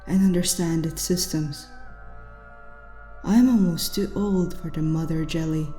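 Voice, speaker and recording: A woman with an Eastern European accent voicing a brooding young alien sister, formal, grave and deliberate, in a dramatic story. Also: low voice, mellow, echoey room.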